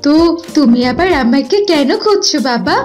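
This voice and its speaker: High-voiced woman as an earnest young daughter. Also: lively intonation, moderate pace, darkish tone, faint music behind. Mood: affectionate. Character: bookish, earnest young daughter who wants independence. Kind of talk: cartoon character voice.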